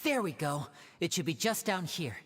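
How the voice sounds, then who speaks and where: A man's voice: a little high, big pitch swings, normal speed, in a large hall, background noise. A man voicing a suave, protective young stage magician in a video game, with polished, theatrical delivery. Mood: focused.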